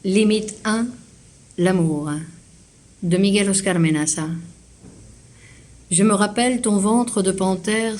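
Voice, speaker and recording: Female poetry reader, mid pitch, very unhurried, deliberate phrasing, literary and dramatic delivery. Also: a little mellow. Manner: measured, deliberate phrasing with pauses.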